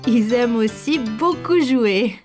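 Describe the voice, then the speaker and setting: A friendly young-audience cartoon zookeeper, with a fairly high voice. She sounds inviting and explains simply, over light music. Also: expressive, slow pace. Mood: helpful. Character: friendly female zoo worker greeting children. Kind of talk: cartoon voice acting.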